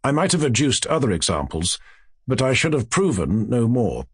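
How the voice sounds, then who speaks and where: Male audiobook narrator for classic fiction: formal, highly varied intonation, very dry recording. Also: big pitch swings, moderate pace, breathy edge, dry recording.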